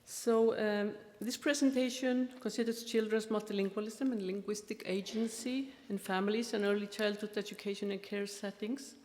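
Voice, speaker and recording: A middle-aged woman with an Icelandic accent delivers an academic keynote at a conference. She speaks in a careful, measured way and fills the pauses with ums and uhs. Her voice rings with the long reverb of a big hall. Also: mid-range voice, fairly even intonation, darkish tone. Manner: careful, measured, with frequent fillers.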